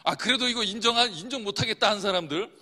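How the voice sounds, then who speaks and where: A man's voice: high-pitched, fast, pushed and bright. A male pastor preaching a sermon, asking the congregation questions and answering them himself. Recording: long hall reverb.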